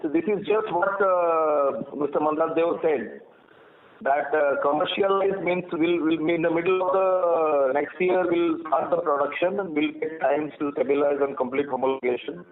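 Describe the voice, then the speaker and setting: A man's voice: fairly high pitch, moderate pace, a crowd in the background. A man speaking as a senior company executive on an earnings call. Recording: narrow phone conference line.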